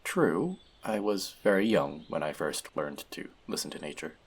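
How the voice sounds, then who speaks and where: Deep, gravelly elf mentor played by a man. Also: expressive, moderate pace, exaggerated voice. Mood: reflective, gentle. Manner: conversational, teasing, reflective. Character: male elf friend, wise, teasing, gentle magic mentor. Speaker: voice actor. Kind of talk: fantasy audio roleplay addressed to the listener.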